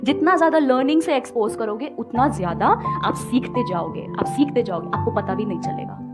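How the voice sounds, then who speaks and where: A woman's voice: on the high side, a little fast, over loud music. A woman with an Indian accent, chatting on a talk show about learning English and mixing Hindi with English. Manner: lively, mixes Hindi and English. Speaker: English teacher. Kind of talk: casual talk show chat.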